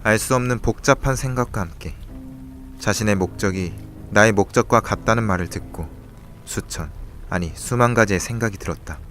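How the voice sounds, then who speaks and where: A man playing a brooding, secretive young student in a radio drama, measured and introspective as he talks and narrates over music. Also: lowish voice, fairly bright tone, close to an everyday voice. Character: brooding, secretive young male student, an observant older classmate. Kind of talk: Korean radio drama dialogue and first-person narration.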